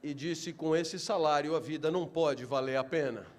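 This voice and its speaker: A man's voice: on the high side, normal speed, a little hiss or hum. A middle-aged man giving a motivational philosophy lecture, asking rhetorical questions and building to emphatic delivery.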